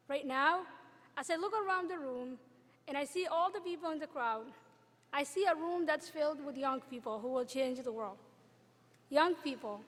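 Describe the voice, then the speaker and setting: A young woman from Somalia giving a graduation speech as the student commencement speaker, in an earnest, measured way with deliberate pauses. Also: high-pitched, fairly bright tone. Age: young adult. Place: large hall. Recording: long reverb of a big hall.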